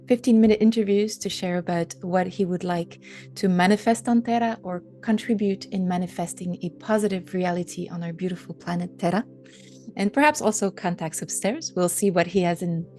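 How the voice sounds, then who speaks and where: A woman hosting an interview, gentle and effusive, with soft affirmations. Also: on the low side, brisk, soft background music. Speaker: host.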